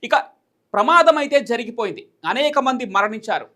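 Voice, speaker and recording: Fast-talking man presenting news. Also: extremely high pitch, lively intonation, bright, forceful tone. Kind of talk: news commentary to camera.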